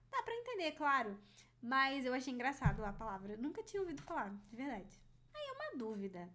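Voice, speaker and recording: A woman's voice: high-pitched, fairly bright tone. A woman giving a casual writing lesson, critiquing a story on screen and reading passages aloud in a chatty, informal way.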